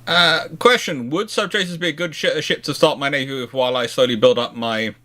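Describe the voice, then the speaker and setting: A man hosting a casual question and answer chat on naval history, talking haltingly and often circling back to rephrase. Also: medium pitch, bright, forceful tone. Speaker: live Q&A host answering viewer questions.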